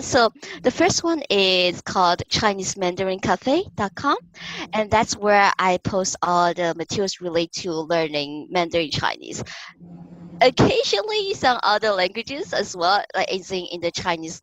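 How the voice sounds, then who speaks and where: A woman's voice: fairly low pitch, fairly bright tone, low-quality recording. A woman who teaches languages online, speaking in an upbeat, enthusiastic way in a casual interview. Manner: upbeat, enthusiastic, quick to react. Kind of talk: casual video-call interview.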